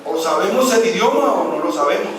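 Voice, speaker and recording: A man's voice: high voice, expressive, brisk, slight background noise. A man teaching a sermon-style Bible class, explaining step by step and asking his listeners rhetorical questions. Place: church hall. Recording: very echoey room, mic far from the speaker.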